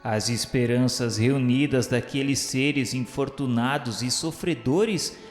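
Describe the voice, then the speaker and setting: A Brazilian-accented man delivers scripted radio drama narration with solemn, formal declamation over background music. His voice is mid-range and slow, and a long reverb gives the recording an echoey sound.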